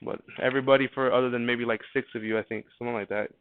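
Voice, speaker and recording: Reviewing a quiz with his math class, this man talks casually and conversationally, repeating and restarting words as he thinks. He races along at medium pitch in a steady, clear, resonant voice, captured in a dry, narrow, phone-like recording.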